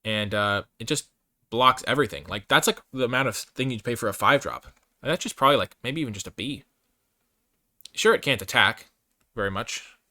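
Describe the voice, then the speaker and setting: A man's voice: medium pitch, fairly quick, bright, forceful tone, no room sound. A man hosting a casual, off-the-cuff card game review, thinking aloud and revising his opinions as he goes. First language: English. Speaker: host reviewing trading card game cards.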